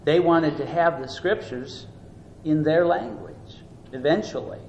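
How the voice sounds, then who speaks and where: A man preaching a sermon. He teaches earnestly, rising and slowing down for emphasis. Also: fairly high pitch, animated, vocal fry, dull audio. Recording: echoey room with faint noise.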